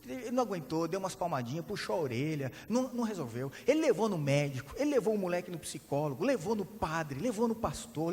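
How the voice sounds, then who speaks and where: A man preaching a sermon as a pastor, animated storyteller who acts out the people in his stories. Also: high-pitched. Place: church hall. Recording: long hall reverb.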